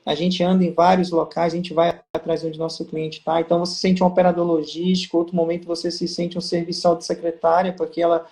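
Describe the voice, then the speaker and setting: A man's voice: on the high side, quick pace, hardly any pauses. A Brazilian man on a video call, telling stories as an interview guest and acting out quoted exchanges. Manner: storytelling, animated quoting. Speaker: guest, pharma district manager. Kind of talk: casual live interview.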